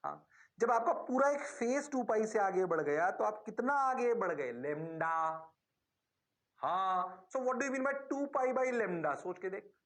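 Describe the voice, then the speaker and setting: A male physics teacher giving a lesson, coaxing his students with rapid-fire questions that he answers himself and slipping English phrases into his explanations. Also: high-pitched, very animated, fairly bright tone. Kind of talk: classroom lesson.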